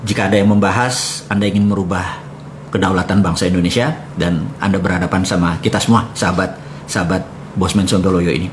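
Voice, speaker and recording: A man's voice: sits low, a little fast, slight background noise. A man hosting a live talk, telling stories in a casual way and mixing English phrases into his speech. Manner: mixes English phrases into speech, animated when quoting.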